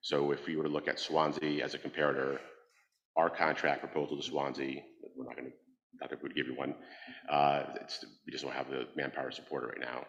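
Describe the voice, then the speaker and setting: This man talks at a very fast pace with long, frequent pauses, his very deep, low pitch carrying vocal fry and a monotone, flat intonation. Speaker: fire chief. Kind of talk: public meeting discussion. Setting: public meeting room with microphones. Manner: loud.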